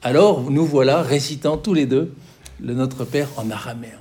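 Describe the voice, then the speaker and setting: A middle-aged man, director of a Catholic charity, giving an earnest personal testimony in a public talk with many halting restarts. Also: mid-range voice, warm tone.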